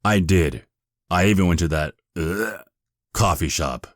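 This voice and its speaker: Very deep male voice actor as a proud, defensive archangel, haughty, clipped, fantasy audio drama, dry close recording. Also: a little slow, no room sound.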